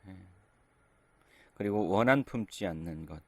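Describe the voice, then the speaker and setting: A middle-aged male pastor giving a sermon, speaking gently and conversationally in short phrases. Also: low voice, expressive, a little slow, dry recording.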